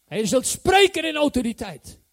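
A man's voice: very high voice, very animated, moderate pace. A male preacher giving a sermon, enthusiastic and emphatic, repeating his key phrases.

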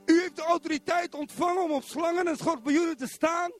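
A middle-aged man from Zwolle preaching a sermon in church, animated and constantly putting questions to the congregation. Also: very high voice, brisk, faint music behind. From Netherlands, Zwolle.

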